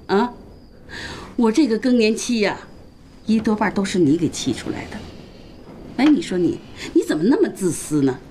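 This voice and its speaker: A woman's voice: medium pitch, animated, moderate pace, warm tone, a little hiss or hum, natural voice. An actress in her fifties playing a bossy mother who nags and scolds her grown daughter in a TV drama. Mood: scolding. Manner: scolding, nagging, insistent. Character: bossy, scolding middle-aged mother, quick-tempered. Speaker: mother and grandmother. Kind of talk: TV drama acting.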